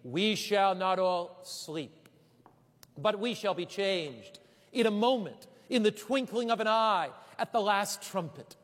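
A man preaching a sermon, dramatic, slowing for emphasis and repeating phrases. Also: high-pitched, fairly bright tone, big-room sound.

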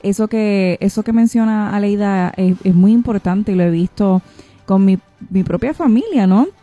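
Woman radio host, mellow warm tone, chatty, faint music behind. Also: medium pitch, moderate pace, dry recording, lo-fi sound. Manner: chatty, expressive, reflective. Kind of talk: talk radio hosting.

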